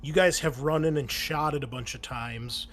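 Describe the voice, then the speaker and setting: A man's voice: mid-range voice, moderate pace, fairly bright tone, soft background music. Man refereeing a tabletop game. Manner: informal, explains rules as he goes. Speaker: game master.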